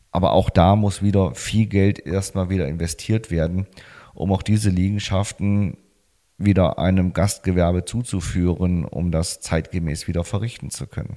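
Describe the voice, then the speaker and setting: Speaking at a moderate pace, a man uses a very deep, low voice with a dark, mellow tone and ordinary pitch variation. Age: 40s. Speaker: mayoral candidate, town official. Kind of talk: interview. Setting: town hall office.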